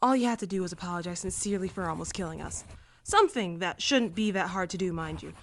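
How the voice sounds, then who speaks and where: A woman's voice: fairly low pitch, lively intonation, fast, fairly bright tone. Audio drama space courier, female performer: sardonic, grumpy, blunt and dry, slight background noise. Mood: mocking. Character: sardonic, disgruntled adult woman space courier.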